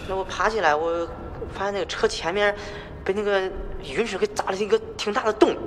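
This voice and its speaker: An actor playing a hapless, evasive delivery man in his thirties, halting and rambling in film dialogue. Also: high-pitched, long reverb tail, noisy background, lightly acted. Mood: flustered.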